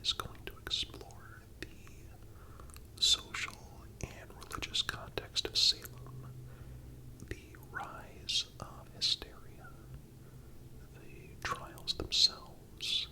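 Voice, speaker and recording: A host whispers a scripted historical narration in calm, deliberate ASMR style, breathy and full of frequent pauses. The audio quality is poor.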